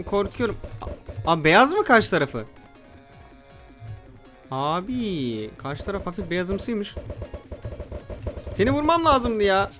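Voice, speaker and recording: Shouting at opponents during an excitable let's play, a high-voiced young man runs his own gaming channel.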